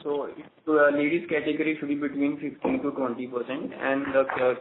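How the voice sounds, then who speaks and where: A man with an Indian accent, a company executive, answering earnings call questions in a hesitant, halting way. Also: fairly high pitch, flat delivery. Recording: narrow phone line with light noise.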